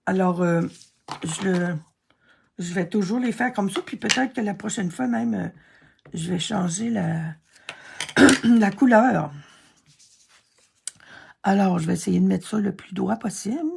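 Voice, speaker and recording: A woman's voice: medium pitch, a little slow, gravelly, long pauses, background noise. A Québécois woman chatting and thinking aloud through a card-making tutorial, self-deprecating and chatty. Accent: Québécois French. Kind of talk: casual craft tutorial narration.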